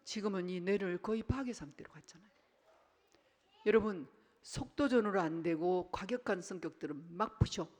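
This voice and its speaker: A woman pastor delivering a Sunday sermon, swinging between loud, punchy bursts and hushed asides, and acting out family scenes in quoted voices. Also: on the low side, moderate pace. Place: church sanctuary. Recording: church hall with long reverb.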